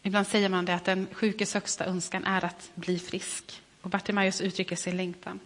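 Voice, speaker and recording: A woman giving a sermon in a gentle, reflective manner, often restarting her phrases. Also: medium pitch, flat delivery, long reverb tail. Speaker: preacher.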